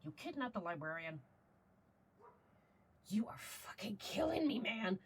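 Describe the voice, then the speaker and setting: A woman's voice: mid-range voice, sing-song, measured pace, a little hiss or hum. A woman playing a brash, charming, apologetic mafia boss in an audio roleplay, with a wry, flirtatious and theatrical delivery. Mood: muttered scolding. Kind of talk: audio roleplay acting addressed to the listener.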